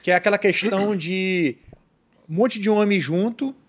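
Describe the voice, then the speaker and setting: A middle-aged Brazilian man hosting a casual podcast, relaxed, with lots of short agreeing replies. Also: sits high, normal speed, breathy edge. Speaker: podcast host.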